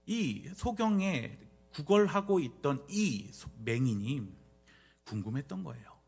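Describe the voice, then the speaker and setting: A man preaching a Wednesday sermon as pastor, acting out scenes with dramatic swings between hushed whispers and loud cries. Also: fairly high pitch, slightly rough.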